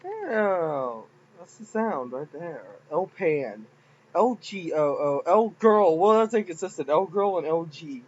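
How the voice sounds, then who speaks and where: A man's voice: a little high, very animated, slow, dull audio, slight background noise. A man casually commenting on his own game files, rambling and giggly. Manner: rambling, giggly, self-mocking. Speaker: game modder.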